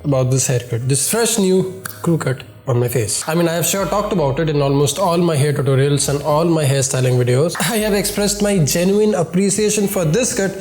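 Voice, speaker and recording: A man's voice: fairly high pitch, brisk, a little mellow. Congested Indian man, nasal, in echoey room. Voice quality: nasal from a cold. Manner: emphatic, rhetorical repetition. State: congested with a cold. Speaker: host of a men's grooming video series. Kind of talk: scripted-style hairstyle tutorial addressed to viewers. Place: home studio indoors. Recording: echoey room with music behind.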